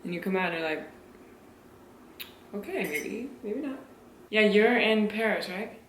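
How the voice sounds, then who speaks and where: A woman's voice: mid-range voice, lively intonation, measured pace. Candid chatty woman vlogging. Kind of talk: casual vlog talk. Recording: echoey room, faint noise.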